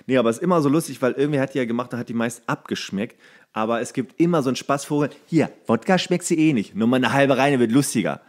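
A man's voice: mid-range voice, expressive, fast talker. Chatty German podcast man, laughing often. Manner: chatty, laughs often, stumbles and self-corrects while reading aloud. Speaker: podcast co-host. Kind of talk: casual chat.

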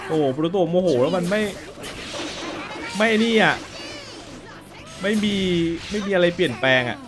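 A young man runs through a fighting game with bouncy, lively commentary, his voice leaping up and down as he cheers and mouths whooshes and hits. Game music plays clearly behind him. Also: sits high, measured pace. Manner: excitable, mouths sound effects for attacks. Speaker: gaming YouTuber. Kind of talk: playful gameplay commentary.

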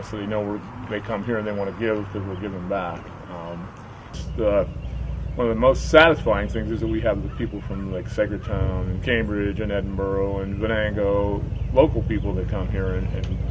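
A middle-aged man with an American accent gives a casual, folksy explanation as a brewery owner showing visitors around. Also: fairly low pitch. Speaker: brewery owner giving a tour. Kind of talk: casual explanatory tour talk. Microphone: camera a few feet away. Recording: echoey rooms, distant camera mic, noisy hum.

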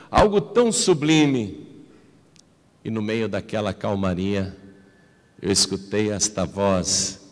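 A man preaching a personal testimony, shifting from slow, hushed, low delivery to high, emotional outbursts. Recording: long hall reverb.

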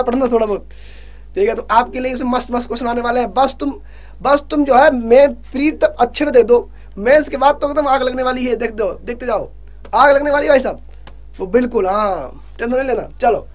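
A young man teaching a live online exam-prep class, pushing students to answer quickly, joking and scolding them as he goes. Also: extremely high pitch.

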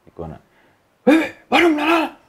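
A man's voice: very high-pitched, wildly swooping pitch, fast talker. A young Kenyan man with a Kenyan accent, a comedian guest telling his story in a casual interview, rambling and chuckling, mixing in slang, on an indoor studio set.

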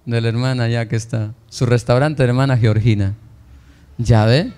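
A man's voice: medium pitch, fairly even intonation, moderate pace, dark tone, clear, resonant tone. A man preaching as a pastor, telling his personal testimony to the congregation with emotion, acting out the dialogue he recounts. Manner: emotional storytelling, acts out quoted dialogue, addresses congregation as brothers. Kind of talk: sermon testimony.

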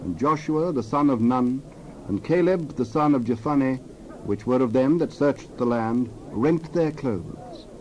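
A man's voice: mid-range voice, a little slow, darkish tone, highs cut off, slight background noise. A man narrating a dramatized scripture reading.

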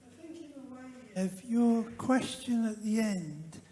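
A woman's voice: fairly high pitch, animated, a little slow, dark tone. Reflective woman in a very echoey hall. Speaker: academic conference participant. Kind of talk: conference audience comment. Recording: echoey hall, long reverb, faint noise.

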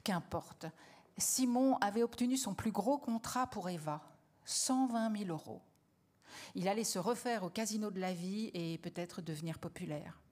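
A woman's voice: mid-range voice, normal speed, a little mellow. Woman reading a memoir on stage. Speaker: reader of a memoir. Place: literary stage.

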